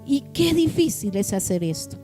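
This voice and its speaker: A woman's voice: mid-range voice, sing-song, normal speed, warm tone, faint music behind. A woman pastor preaching a sermon with passion, stretching out key words for emphasis. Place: church.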